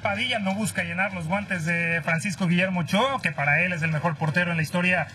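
High, bright male host, a bit off-mic. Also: steady tone, a little fast, recorded from a distance. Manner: teasing, interjecting. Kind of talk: sports panel debate.

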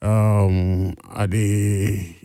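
A man in his sixties with a Guyanese accent, a guest on a talk show, speaking with hesitant pauses and restarts. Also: on the low side, level tone, creaky, mellow, no echo, studio quality. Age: 60s. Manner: hesitant, many fillers and restarts. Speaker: guest business owner. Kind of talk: interview.

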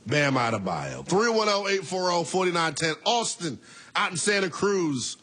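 A young man in his twenties hosts a call-in sports talk show, bantering and laughing with callers. His voice is lively and bright, with a slightly husky edge. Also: high voice, moderate pace. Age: 20s.

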